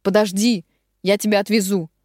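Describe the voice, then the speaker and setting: A woman's voice: medium pitch, steady tone, moderate pace, darkish tone, dry recording, studio quality, natural voice. A woman voicing a remorseful man much older than his lover, begging and apologetic, read in an audiobook. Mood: calling. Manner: begging, apologetic, then commanding. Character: man about fifteen years older, remorseful, pleading.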